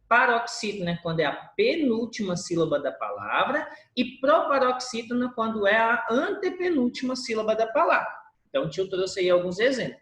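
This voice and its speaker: A woman teacher giving a review lesson, drawing out syllables to show word stress. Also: on the high side. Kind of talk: recorded class review lesson. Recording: echoey room.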